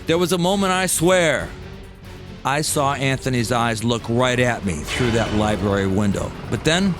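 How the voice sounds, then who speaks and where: A man telling a scripted first-person story as narrator, with deliberate, dramatic phrasing. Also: mid-range voice, lively intonation, over music.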